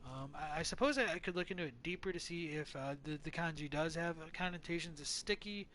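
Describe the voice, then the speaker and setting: Male let's-play host, lore commentary, somewhat high and bright, halting and reflective. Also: a little hiss or hum. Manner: thoughtful, hesitant, full of restarts.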